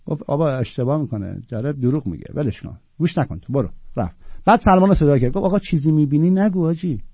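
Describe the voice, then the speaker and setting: Lecturing passionately on Sufi poetry, a man alternates loud declamation with quiet, blunt, scornful asides. The audio is dry and dull.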